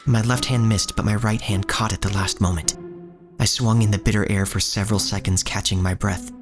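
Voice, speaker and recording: A man playing a solemn narrator who tells of a poor street childhood in measured, scripted audio drama storytelling. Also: fairly low pitch, steady tone, lightly acted. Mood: somber, measured. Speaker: first-person narrator. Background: music.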